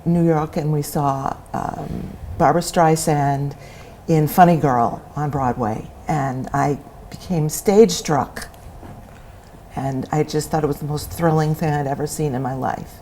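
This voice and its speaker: A woman's voice: deep voice, steady tone, measured pace, warm tone, a little hiss or hum. A retired older woman from Massachusetts answering interview questions, a bit hesitant with ums. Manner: hesitant, with ums and a light laugh. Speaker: guest.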